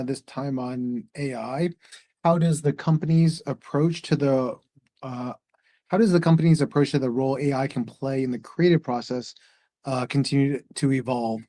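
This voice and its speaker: A man's voice: mid-range voice, moderate pace, dark tone. A man moderating an earnings call, reading out analysts' questions.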